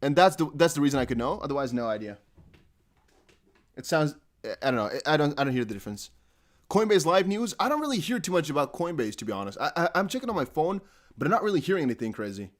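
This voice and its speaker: A man's voice: fairly high pitch, big pitch swings, fast. Young guy rambling on his live stream, lots of likes and ums, voice bounces all over. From Netherlands. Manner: rambling, laughs often, many fillers. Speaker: crypto livestream host. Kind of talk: casual live stream chat.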